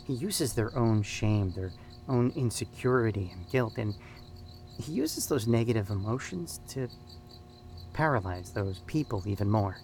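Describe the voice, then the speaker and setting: An actor playing an earnest, thoughtful youth ministry leader, talking informally in a halting, searching way. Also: male voice, on the low side, lively intonation, darkish tone, a little hiss or hum. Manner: hesitant, searching, repeats words. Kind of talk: informal devotional discussion in an audio drama.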